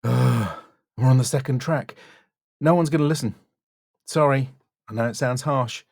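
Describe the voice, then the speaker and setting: A man's voice: medium pitch, unhurried, creaky, a little mellow, dry recording, studio quality. A man giving a spoken critique as a voice-over coach, blunt but encouraging, with emphatic delivery. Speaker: voice-over demo coach and reviewer.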